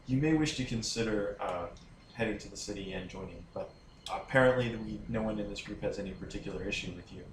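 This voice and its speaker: A man playing a tabletop game, talking things through casually in a halting, deliberative way. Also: lowish voice, recorded from a distance. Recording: echoey room, off-mic, faint noise.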